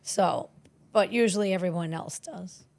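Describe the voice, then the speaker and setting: A woman's voice: fairly low pitch, moderate pace, vocal fry, a little mellow. A woman in casual banter, talking in a teasing, argumentative way.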